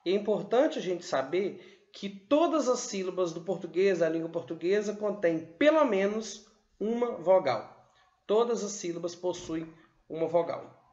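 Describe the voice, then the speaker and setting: A man's voice: sits high, lively intonation, moderate pace, a little mellow, reverberant, dull audio. A man teacher giving a literacy lesson at a whiteboard, spelling out sounds and syllables one by one. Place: room with a whiteboard.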